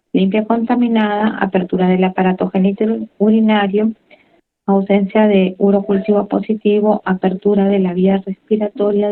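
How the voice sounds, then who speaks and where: A woman's voice: medium pitch, phone-quality sound. A woman giving a medical lecture, reading from slides and then explaining in her own words with fillers and tag questions.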